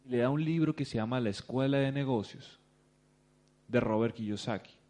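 A man's voice: mid-range voice, normal speed. A man with a Mexican accent gives a business talk to an audience, telling a story and acting out the people in it. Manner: animated, acts out the people he quotes. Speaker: business speaker.

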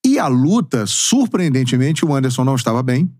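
A man's voice: mid-range voice, fairly quick, no room sound. A sports narrator in his forties talks as a podcast guest. His voice swoops widely up and down as he leans into stories. The sound is close and dry, with no room around it. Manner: expressive storyteller with emphatic, swooping delivery; relaxed, talkative, drops casual slang. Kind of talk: casual interview chat.

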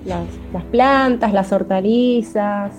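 A woman's voice: mid-range voice, takes it slowly, soft background music. A woman, chatting easily as a radio co-host. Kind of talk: casual radio chat.

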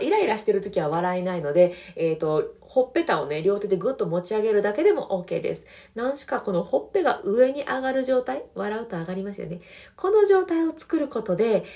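A soft-spoken woman with a Kansai accent talks through everyday advice in a relaxed, casual way. Her pitch rises and falls a lot as she speaks, and her tone is mellow and warm. Light laughs come between her points. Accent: Kansai Japanese.

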